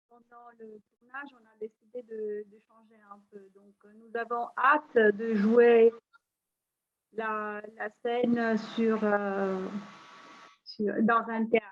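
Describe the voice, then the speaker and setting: A woman's voice: a little high, lo-fi sound. A woman speaking as a member of a theatre group.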